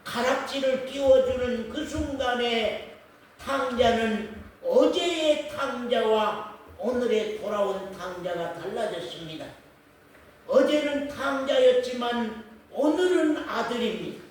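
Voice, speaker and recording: High-pitched male pastor preaching, repeats himself for emphasis, booming church echo, mic kinda far. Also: expressive, slow pace. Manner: emphatic, repeats phrases, questions the listeners. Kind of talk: sermon to a congregation. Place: church sanctuary. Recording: echoey hall, mic far off.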